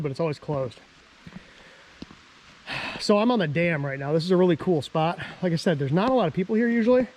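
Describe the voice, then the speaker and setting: An American man, out of breath after a hike, vlogging outdoors in a chatty, self-deprecating way and clearing his throat often. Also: on the high side, slight background noise. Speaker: ham radio vlogger. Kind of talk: casual outdoor vlog. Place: outdoors on a dam in a park.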